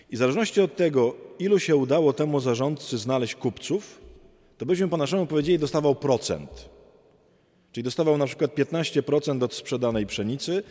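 A priest in a large church reading the Gospel and then preaching in a lively, colloquial storytelling manner with slang and asides. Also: male voice, mid-range voice. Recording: long church reverb.

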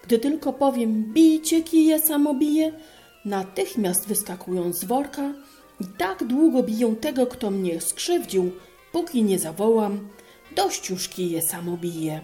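A woman's voice: on the high side, expressive, slow, mellow, faint music behind, pitched above the performer's own voice. A woman voicing a confident young male turner in a fairy tale, boasting and commanding. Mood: boastful.

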